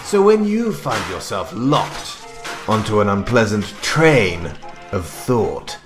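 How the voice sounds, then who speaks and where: Gleeful mad villain, menacing, slow theatrical delivery, big pitch swings, radio drama, music behind. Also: male voice.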